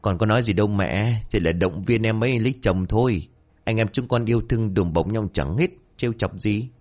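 A man's voice: fairly low pitch, darkish tone, natural voice. A man voicing a careless, cheerful young adult son who brushes off his parents' worries. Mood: casual. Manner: dismissive, breezy, quick talking.

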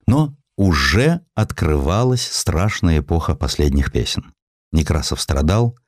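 Deep-voiced man, expressive literary narrator. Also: dry recording, clean studio sound. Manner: expressive, theatrical storytelling. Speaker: audiobook narrator. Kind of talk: dramatic scripted literary narration.

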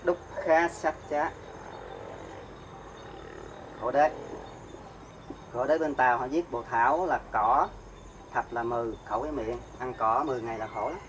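Monk giving a talk, middle pitch, asks the room questions then answers, faint bug noise behind. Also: male voice, normal speed, pauses often, fairly bright tone. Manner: explains terms step by step, recites verse. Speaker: Buddhist monk teacher. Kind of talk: dharma talk.

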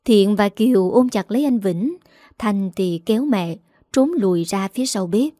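Woman narrator, story reading, steady, warm mellow voice, dry close sound. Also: medium pitch, moderate pace, no room sound.

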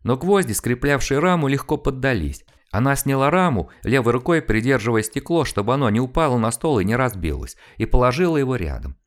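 A man reading a novel aloud as an audiobook narrator, in a measured, expressive storytelling manner. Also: medium pitch. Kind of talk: scripted literary narration.

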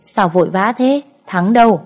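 A woman voicing a protective older brother who talks in a brisk, scolding way, in a storybook reading. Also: medium pitch, animated, a little mellow, faint music behind, close to an everyday voice.

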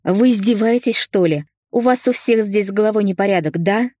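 A woman's voice: mid-range voice, brisk, darkish tone, no echo, studio quality, pitched above the performer's own voice, lightly acted. A woman reading an audiobook, voicing an indignant sixty-year-old nanny who exclaims in exasperation. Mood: exasperated. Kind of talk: audiobook narration.

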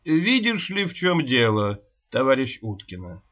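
A man's voice: medium pitch, sing-song, a little slow, a bit bright. A man voicing an eager, zealous male commission member who speaks with earnest fervor. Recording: dull lo-fi recording.

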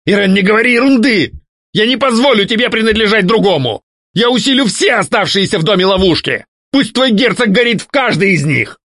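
A man voicing a jealous, petulant male ghost who shouts and pleads. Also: fairly high pitch, animated, moderate pace, vocal fry, dry recording, studio quality, pitched above the performer's own voice, exaggerated voice. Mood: angry. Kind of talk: audiobook character voicing.

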